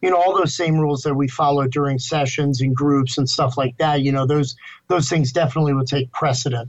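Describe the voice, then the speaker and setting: A somewhat breathy man speaks at a fairly quick pace with a fairly high pitch. His intonation stays fairly even and his loudness very even. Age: 40s. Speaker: therapist and charity director. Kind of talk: interview.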